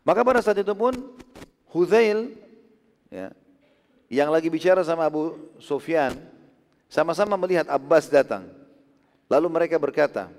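Male preacher, storytelling sermon, conversational, animated, long hall echo. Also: fairly high pitch, normal speed, creaky, pauses often. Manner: animated, conversational, with asides seeking assent.

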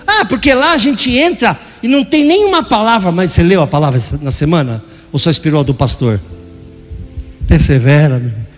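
An older male pastor preaches with drama, slipping into acted voices and sudden shouts. His voice sits fairly high. It rings through a reverberant church hall while soft music plays underneath. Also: animated, brisk. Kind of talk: sermon.

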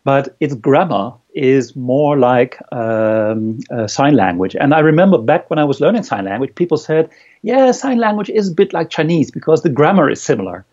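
A thoughtful man speaking as an in a conversational interview. His voice is mid-pitched and he pauses to search for words. The recording is slightly dull and lo-fi. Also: animated, a little mellow. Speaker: interviewee, language learner.

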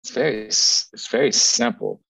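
Husky-voiced man, animated and blunt. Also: lowish voice, normal speed, low-quality recording. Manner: animated storytelling, frequent profanity and repetitions. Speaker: guest, agency founder and strategist. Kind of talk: casual podcast interview.

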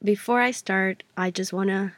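A woman's voice: medium pitch, steady tone, moderate pace, a bit bright, dry recording. A young adult woman hosting a podcast, talking casually and rambling with lots of fillers, her voice stuffy from allergies. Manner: chatty, rambling, self-correcting with many fillers. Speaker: podcast host. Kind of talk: casual solo podcast talk.

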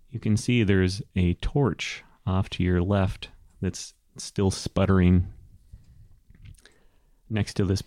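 A man acting as game master, improvising narration and chatting casually, often pausing to find his words. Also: deep voice, steady tone, dark tone, no echo, studio quality. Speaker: game master and show host.

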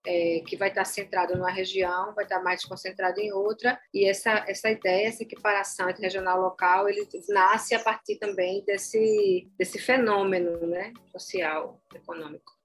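A woman from Pernambuco, a journalist and academic, answering interview questions in a measured, analytical way. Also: medium pitch, rough recording. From Pernambuco, Northeast Brazil.

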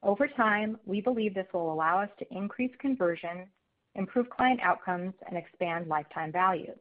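A woman speaks through a thin, phone-like conference line. She reads prepared business remarks as a company executive, keeping a formal, measured delivery at a medium pitch. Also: expressive. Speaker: company executive presenting on an earnings call. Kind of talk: scripted corporate presentation.

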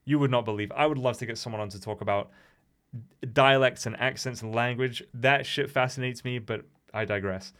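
A man's voice: mid-range voice, fairly quick, fairly bright tone. A man of twenty-five with a somewhat Americanized English accent, hosting a casual solo podcast in a meandering, slightly nervous way with many restarts. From England. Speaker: podcast host and streamer.

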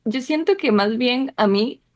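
A young woman from Costa Rica speaks calmly and thoughtfully as a guest in a casual chat. Her voice is fairly high and sits close and dry, with no room sound. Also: a little slow, no echo. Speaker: content creator guest.

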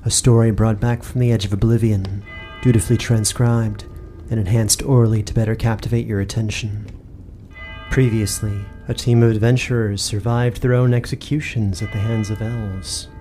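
A man's voice: on the low side, flat delivery, normal speed, mellow. A man giving scripted, dramatic narration as a podcast host and game master. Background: music.

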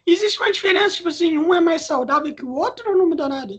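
A woman asking questions in a casual street interview, chatty and quick to agree. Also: extremely high pitch, animated, slight background noise. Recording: dull muffled sound.

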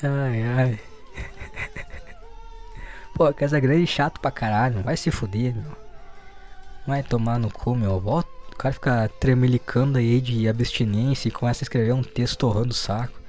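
A young man riffs on news articles in a loose, foul-mouthed, mocking way, breaking into laughter often. His voice sits at a middle pitch. Soft music plays quietly behind him. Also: moderate pace. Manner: profane, sarcastic, laughs often. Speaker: streamer reacting to news. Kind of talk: casual commentary while reading news aloud. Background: faint music playing.

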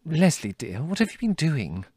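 A man doing a fretful gentle mother. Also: fairly high pitch, big pitch swings, normal speed, breathy edge, no room sound, clean studio sound, voice pushed up. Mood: mildly reproving. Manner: soft, mildly reproving.

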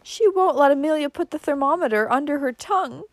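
A woman's voice: high-pitched, animated, normal speed, darkish tone, no room sound, pitched above the performer's own voice. A woman voicing a worried, gossipy female cousin in a storybook, moaning and whimpering her words. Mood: fretful.

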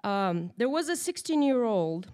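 A woman's voice: a little high, a little slow. Chatty woman teaching a Bible class. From Moldova. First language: Russian or Romanian. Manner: chatty, animated, tag questions. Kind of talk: church Bible lesson. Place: church room, in front of a group.

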